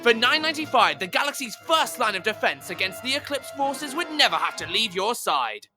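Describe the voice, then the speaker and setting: A man's voice: very high voice, big pitch swings, brisk, over music. A man playing an eager, dramatic advert announcer in a projected, old-fashioned broadcast style, with slightly muddy articulation. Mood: excitable hype. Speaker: voice actor on a demo reel. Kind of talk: commercial voice-over read.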